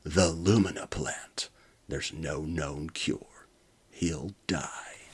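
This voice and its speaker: A man's voice: fairly low pitch, very animated, moderate pace, vocal fry, slightly rough, voice pushed up, full character voice. A man acting out Doctor Fury, hammy earnest scientist hero. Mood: grave, shocked. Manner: hammy dramatic reading.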